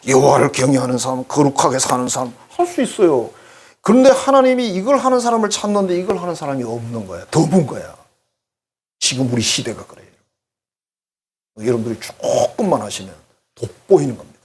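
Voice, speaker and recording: A man's voice: medium pitch, fairly quick, slightly rough. A male pastor preaching a conversational sermon, talking straight to the congregation and acting out voices. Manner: animated, addresses congregation directly, acts out quoted voices.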